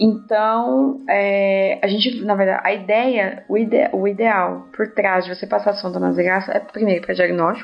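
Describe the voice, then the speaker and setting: A woman speaks with hardly any pauses while noticeable noise sits in the background. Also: medium pitch for a woman, ordinary pitch variation. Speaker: emergency physician, podcast co-host. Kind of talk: medical case discussion. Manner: calm, slow and soothing.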